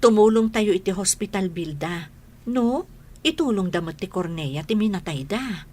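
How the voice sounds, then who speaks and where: A patient, loving mother, voiced by a woman, with a medium-pitched, plain voice. She speaks tenderly and calmly. This is a radio drama. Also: moderate pace, slight background noise, close to an everyday voice.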